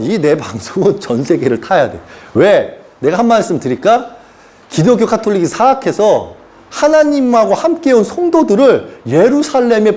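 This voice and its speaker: A man's voice: high voice, dark tone. A man giving an informal sermon lecture as a self-styled prophet, acting out characters in put-on voices and chuckling as he talks.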